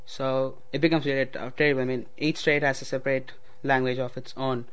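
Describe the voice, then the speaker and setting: A man's voice: medium pitch, little pitch movement, fairly quick, a bit bright, clean tone. A young adult man from Tamil Nadu with a South Indian accent and Tamil as his first language, speaking in an explanatory way. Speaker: student speaker. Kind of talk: read passage, then unscripted personal account.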